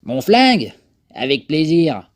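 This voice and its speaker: A man voicing an obliging, slow-witted cowboy sidekick with meek replies in a parody western film dub. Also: a little high, big pitch swings. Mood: compliant.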